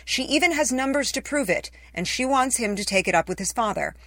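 A woman's voice: fairly high pitch, expressive, a little fast, a bit bright, no room sound. Woman narrating a personal essay, dry close sound.

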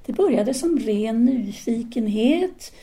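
A woman's voice: on the high side, animated, gravelly, mellow. An actress playing a self-assured, seductive intellectual woman, a didactic and teasing free thinker in an audio drama. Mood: reflective, candid.

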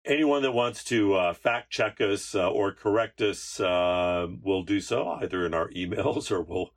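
A man co-hosting a podcast, talking in a loose, chatty way and introducing a guest. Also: unhurried. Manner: loose and chatty, rises high when excited. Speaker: podcast co-host. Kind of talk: casual podcast chat.

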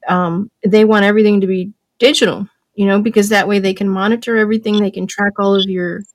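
A woman's voice: medium pitch, steady tone, fast, no echo. A woman hosting a live talk show, speaking firmly and lecturing her listeners. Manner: firm, lecturing, scolds callers. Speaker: host.

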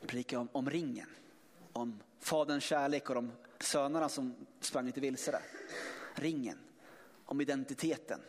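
A man's voice: mid-range voice, fairly even intonation, slight background noise. A man preaching a sermon, speaking emphatically with many restarts and sudden swells in volume. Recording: long hall reverb.

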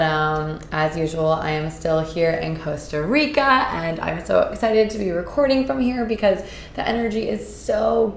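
A woman hosting a solo podcast, hoarse and raspy from a cold, talking in an upbeat, earnest way. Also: fairly low pitch, echoey room, slight background noise. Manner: upbeat, earnest, with filler words. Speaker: podcast host. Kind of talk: casual solo podcast talk. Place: indoors in Costa Rica.

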